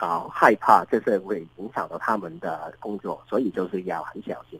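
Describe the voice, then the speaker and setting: At a moderate pace with hardly any pauses, a man speaks in a fairly low pitch with big swings in loudness, the sound dry with no echo. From Hong Kong. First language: Cantonese (speaking Chinese). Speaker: former secondary school teacher; former teacher telling his story. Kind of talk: interview. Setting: remote call. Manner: halting. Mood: calm, measured, serious. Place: hall. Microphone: handheld.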